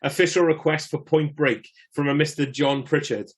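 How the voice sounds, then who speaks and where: A man co-hosting a casual film podcast over a remote call, quick to laugh and reading out the show's details. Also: a little high. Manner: laughs easily, reads out show details. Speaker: podcast co-host.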